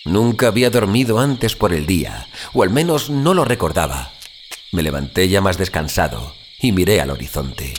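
A man playing a troubled wanderer who narrates a haunting dream in audio fiction, theatrical and suspenseful, with deliberate pauses. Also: low voice, lively intonation, a little hiss or hum. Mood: reflective, urgent. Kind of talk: dramatic first-person audio fiction narration. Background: music.

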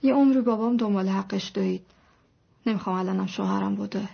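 A woman's voice: mid-range voice, creaky, slightly rough. An actress playing an anxious young wife who pleads earnestly for her husband's rights, in a dull lo-fi recording. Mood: pleading. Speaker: actress in a TV drama.

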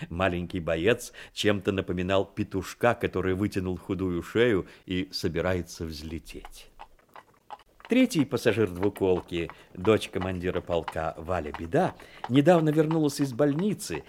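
Expressive male storyteller with swooping intonation. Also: on the low side. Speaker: narrator of a radio play. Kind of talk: scripted literary narration.

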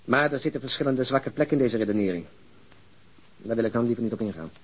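Casting: male actor as principled, blunt detective for crime radio play, probing and deliberate, slightly rough-edged voice. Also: medium pitch, expressive, lightly acted, rough recording. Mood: serious, probing. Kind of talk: Dutch crime audio drama acting.

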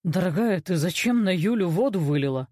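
A woman's voice: on the low side, animated, fairly quick, mellow, dry recording, studio quality. Woman reader as a mild, bewildered father. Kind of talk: audiobook character acting.

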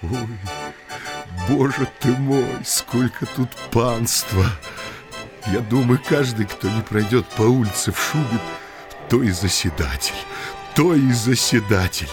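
An actor playing a naive, awestruck young village blacksmith in an audio drama, exclaiming in a folksy, wondering way. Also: male voice, medium pitch, animated, unhurried, over music, lightly acted. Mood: awestruck, musing. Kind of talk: theatrical audio drama acting.

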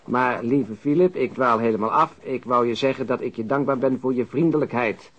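A man's voice: mid-range voice, moderate pace, dull audio, lightly acted. Man playing a sardonic, grumbling police detective. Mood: wry. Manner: sardonic, swearing, impatient. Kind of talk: radio drama dialogue.

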